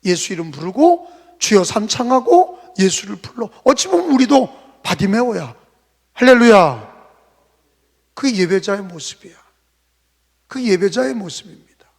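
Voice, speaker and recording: A man preaches from the pulpit in an unusually high voice with a gravelly edge. He presses his point with rhetorical questions and sudden loud bursts. His words trail off into a long hall echo. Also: very animated, measured pace, long pauses. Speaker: pastor. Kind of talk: sermon. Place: church sanctuary.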